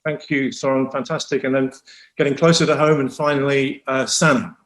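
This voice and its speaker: A man's voice: mid-range voice, flat delivery, moderate pace, a bit bright, roomy sound. A man chairing an online panel discussion, hesitant and full of fillers, speaking over a video call.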